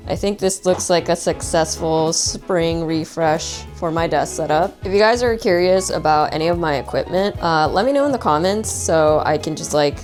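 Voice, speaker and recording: A young woman vlogging casually to camera, soft-spoken and chatty, her voice worn and fading from talking all day. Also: low-pitched, normal speed, few pauses, faint music behind. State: tired, fading voice. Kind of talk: casual vlog talk.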